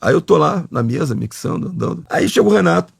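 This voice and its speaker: A man's voice: on the high side, fast, vocal fry, husky, no room sound. A man, a recording engineer telling studio stories in a casual interview, acting out the dialogue and swearing freely. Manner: animated, acts out quoted dialogue, swears freely.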